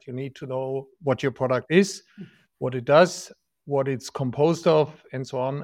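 A man's voice: mid-range voice, vocal fry, darkish tone. A middle-aged man from Germany with a German accent, explaining product topics as a podcast guest, often adding "right?" and "so to speak". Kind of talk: podcast interview answers.

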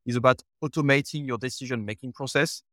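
Man pitching a startup product. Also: fairly bright tone, no room sound, clean studio sound. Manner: pitching a product, slightly halting. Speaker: startup guest. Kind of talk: business interview talk.

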